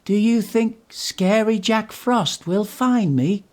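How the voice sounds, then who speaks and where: Little storybook engine, acted by a man: male, wide-eyed, gentle-natured and timid, pitched well up. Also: takes it slowly. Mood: nervous.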